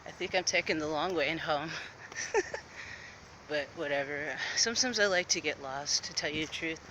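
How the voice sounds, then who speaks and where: A man's voice: a little high, moderate pace, bright, forceful tone, lo-fi sound. Rambling man vlogging on a noisy street. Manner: rambling, chatty, with laughs and restarts. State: slightly out of breath. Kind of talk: casual walking vlog. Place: outdoors on streets near an air base. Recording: noisy outdoor street with traffic. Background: traffic and urban ambience.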